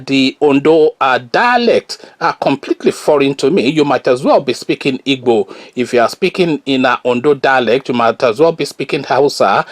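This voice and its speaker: Animated Nigerian man, scornful commentary. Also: on the high side. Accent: Nigerian Yoruba. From Nigeria, Oyo. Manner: scornful, argumentative, many filler pauses. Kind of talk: solo opinion commentary.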